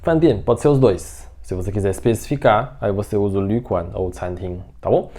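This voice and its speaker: Mellow-voiced man teaching a lesson. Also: lowish voice. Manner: patient, repeats words slowly and checks in often. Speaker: Mandarin teacher. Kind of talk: online language lesson.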